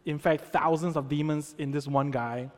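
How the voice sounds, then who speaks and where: Young male pastor from Malaysia, chatty sermon delivery, slightly high voice, long church reverb. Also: fairly even intonation, normal speed. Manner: conversational, with many fillers and check-ins. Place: church sanctuary.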